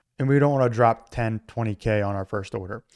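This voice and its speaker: Dry and close with no echo, a man's voice comes through over a quiet background. He speaks at a fairly quick pace and medium pitch. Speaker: online seller and tutorial creator. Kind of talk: tutorial. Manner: fast; casual.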